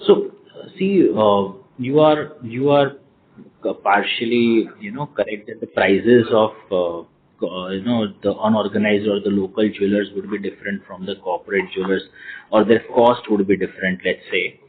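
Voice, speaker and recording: A man's voice: on the low side, steady tone, normal speed, narrow, tinny audio. A man with an Indian accent answering investor questions as a company executive, hesitant and often repeating words and phrases, over a phone conference line. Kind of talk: earnings call question and answer.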